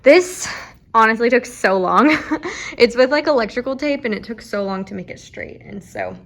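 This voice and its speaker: A woman's voice: on the high side, animated, normal speed, a bit bright. A young woman, vlogging casually as a first-year teacher from her car and her classroom, chatty and rambling with many fillers. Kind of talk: casual vlog chat.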